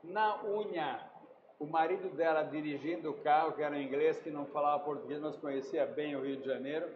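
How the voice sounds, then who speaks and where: A man's voice: fairly high pitch, brisk. Older São man telling stories. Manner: animated anecdotes, acts out dialogue. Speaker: meat company owner, guest. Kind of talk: casual podcast chat, storytelling. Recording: roomy, muffled, noisy room sound.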